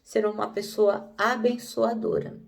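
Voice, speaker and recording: A woman teaching a devotional Bible lesson in a middle-pitched, gravelly voice. She speaks conversationally, with frequent tag questions. She sits a bit back from the microphone. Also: wildly swooping pitch, unhurried, far from the mic.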